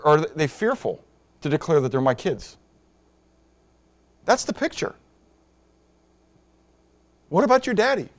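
Animated, high-pitched male preacher. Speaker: pastor. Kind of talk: sermon.

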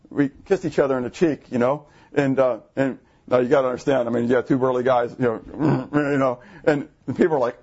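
A man preaching a sermon to his congregation, animated, asking the room questions, with jumps in pitch when he gets excited. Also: lo-fi sound. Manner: jumpy pitch, bursts high when excited. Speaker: pastor. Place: church assembly room.

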